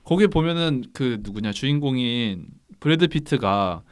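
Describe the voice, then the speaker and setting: A man's voice: mid-range voice, lively intonation, normal speed, clear, resonant tone. A man co-hosting a book podcast, rambling and thinking aloud as he chats casually. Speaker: podcast co-host.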